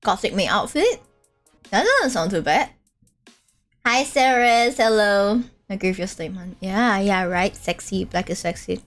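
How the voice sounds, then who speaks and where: A woman's voice: mid-range voice, moderate pace, faint music behind. A woman streamer chatting casually and teasing her guest while reading out chat messages. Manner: playful teasing, lively singsong delivery. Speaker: streamer host.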